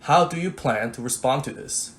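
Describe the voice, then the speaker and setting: A man's voice: mid-range voice, animated, normal speed, natural voice. A man playing a wry, weary debate moderator in a staged political satire, presenting like an announcer. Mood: wry hosting.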